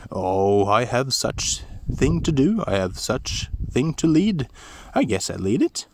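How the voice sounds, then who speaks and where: A man voicing a cheerful young farm boy hero, calling out excitedly in a high, sing-song voice. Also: takes it slowly, slight background noise.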